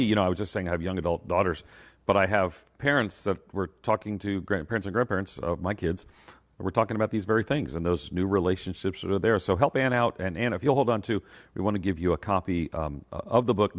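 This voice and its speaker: A middle-aged man hosting a call-in radio show, upbeat and quick, often repeating himself. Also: low voice. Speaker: radio host.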